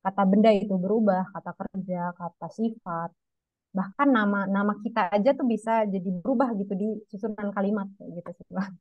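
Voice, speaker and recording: A woman's voice: mid-range voice, steady tone, quick pace, dry recording, narrow, tinny audio. A young woman guest chatting casually in an interview, talking about herself by her own name. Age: young adult. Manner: chatty, refers to herself by name, calls host "Bang".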